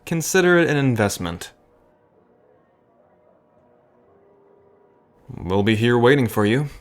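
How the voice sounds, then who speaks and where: An actor in an audio drama playing a guarded, pragmatic worrier, earnest and defensive, sometimes halting. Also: male voice, medium pitch, sing-song, faint music behind, close to an everyday voice. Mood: anxious, awkward. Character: guarded, worrying man, pragmatic, once heartbroken.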